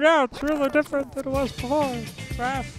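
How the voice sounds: A man's put-on character voice in falsetto, extremely high, at a fairly quick pace over background music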